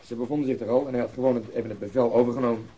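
Brisk, husky, practical policeman, acted by a man. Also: mid-range voice, fairly even intonation, warm tone, lo-fi sound, close to an everyday voice. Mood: plain, practical. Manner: informal, plain-spoken. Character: plain-spoken, practical male police officer. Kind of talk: radio drama dialogue.

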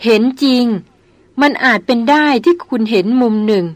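A woman's voice: fairly high pitch, normal speed, dry recording, natural voice. A woman voicing a terrified young woman doctor who insists she saw a ghost. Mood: pleading. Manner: frightened, pleading, insistent.

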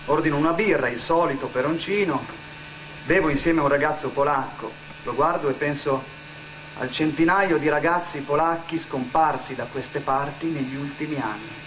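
A man's voice: a little high, normal speed, a bit bright, a little hiss or hum, rough recording. A man delivering an emotive, scripted dramatic monologue, repeating phrases as a storyteller would on stage. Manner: emotive, addressing an absent person as "you", repeating phrases. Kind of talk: dramatic scripted narration, theatrical monologue over music. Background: music.

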